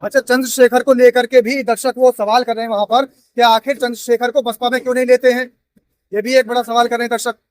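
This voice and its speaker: Quick high-voiced male interviewer. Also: flat delivery. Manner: brisk, probing questions. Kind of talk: news interview questions.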